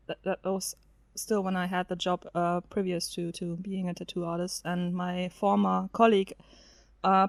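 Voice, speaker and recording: A woman's voice: mid-range voice, no room sound. Giggly woman with a German native tongue. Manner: chatty, laughs often, hesitant fillers. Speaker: featured guest. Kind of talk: casual podcast interview.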